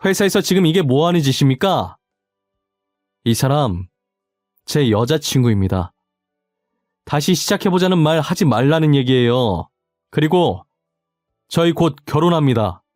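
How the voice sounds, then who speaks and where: A man's voice: a little high, very animated, moderate pace, long pauses, a little mellow, dry recording, studio quality, faint music behind. A man voicing a composed boyfriend who is also the boss, speaking firmly and formally. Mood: stern. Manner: firm, formal.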